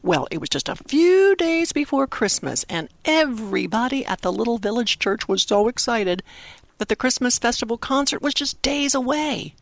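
Expressive woman storyteller with a high voice. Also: no echo. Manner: expressive, simple phrasing with emphatic pauses. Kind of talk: dramatic Christmas storytelling for children. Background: music under the narration.

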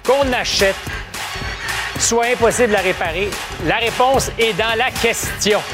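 A man with a Québécois accent hosting a live radio talk show, brisk and quick to interject. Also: sits high, music in the background. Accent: Québécois French. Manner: brisk, interjecting, wraps up segments.

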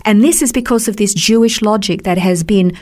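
A woman's voice: medium pitch, a little fast, a little mellow. A woman teaching on a Christian radio program in an earnest, explanatory way, repeating words for stress. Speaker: Bible teacher.

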